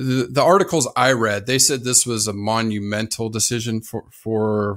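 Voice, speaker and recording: Over a silent background in a very clean recording, a man with a Californian accent talks at medium pitch and a moderate pace. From Southern California. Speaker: podcast host. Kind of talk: interview.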